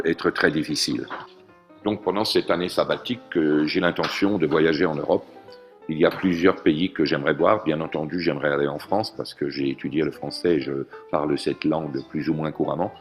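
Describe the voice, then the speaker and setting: A man with a very deep voice gives a polished, measured spoken answer, as in a recorded exam example. The clip is played back with faint music underneath. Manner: fluent, measured, formal answer.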